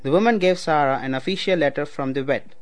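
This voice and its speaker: A man's voice: a little high, quick pace. A young adult man from Tamil Nadu with a South Indian accent and Tamil as his first language, speaking in an explanatory way. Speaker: student speaker. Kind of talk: read passage, then unscripted personal account.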